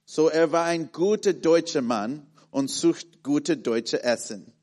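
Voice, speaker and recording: A man in his thirties with an American accent, preaching in a halting way with many fillers and restarts as he searches for words. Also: fairly high pitch, a little mellow. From born in Malaysia, raised in the USA and the Philippines. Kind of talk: sermon with personal story.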